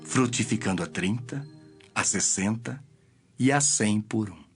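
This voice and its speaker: A man playing Jesus as a solemn, measured teacher in a dramatized audio Bible. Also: lowish voice, animated, slightly rough, heavily acted. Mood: solemn teaching. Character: Jesus, solemn teacher telling parables to followers. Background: music.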